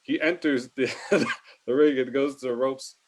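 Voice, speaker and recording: A man's voice: mid-range voice, steady tone, moderate pace. A man reading scripted wrestling stage directions in an amateur reading, with small stumbles. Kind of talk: scripted narration with fillers and stumbles.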